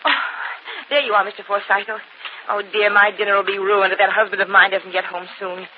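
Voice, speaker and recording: An actress playing a weary middle-aged former vaudeville singer who scolds and frets, in 1940s radio acting. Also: female voice, mid-range voice, little pitch movement, fairly quick, natural voice. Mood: fretful. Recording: dull old radio recording with faint hiss.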